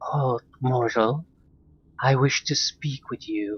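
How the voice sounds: Whispering very slowly, a man puts on a character voice.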